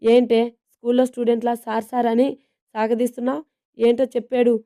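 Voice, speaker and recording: A woman narrator voicing a stern, teasing young husband in a romantic storybook, with a gruff, bossy manner. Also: on the high side, flat delivery, a little fast, dark tone, lightly acted. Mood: scolding.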